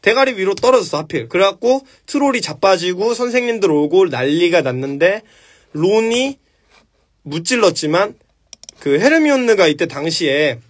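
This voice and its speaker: Male streamer, high-pitched, comic crude storyteller who acts out voices. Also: sing-song, moderate pace. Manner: crude slangy retelling, acts out stuttering and panicky characters. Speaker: live streamer retelling a story. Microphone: phone on a live stream.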